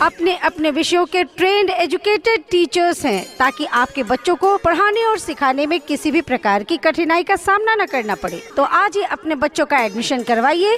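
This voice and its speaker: A woman's extremely high voice with very wide pitch swings and very even loudness, over music in the background. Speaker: advertisement voice-over artist. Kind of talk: school radio advertisement read. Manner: persuasive, conversational promotional tone.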